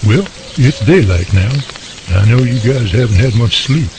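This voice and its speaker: A man playing a calm, friendly field researcher in an audio drama. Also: medium pitch, moderate pace, background noise, natural voice. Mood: calm, amused.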